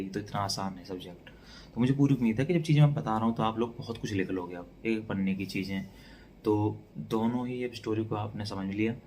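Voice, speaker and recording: Male tutor, lowish voice, calm lecture pace, faint hiss behind. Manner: mixes Hindi with English, talks calmly and softly. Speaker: teacher. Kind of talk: relaxed exam-prep lecture. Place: indoors at night.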